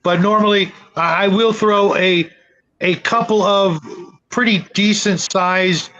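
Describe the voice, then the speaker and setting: Man, high voice, casual panel talk, halting delivery with repeated words, muffled low-fidelity sound. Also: steady tone, pushed and bright. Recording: dull lo-fi audio.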